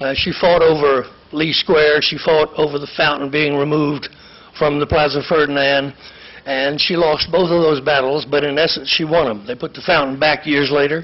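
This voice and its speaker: A man talks at a moderate pace in a fairly high pitch. His intonation stays monotone and flat. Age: 70s. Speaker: public commenter, retired lawyer. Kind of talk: public comment at council meeting. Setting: city council chamber. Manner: halting, with false starts.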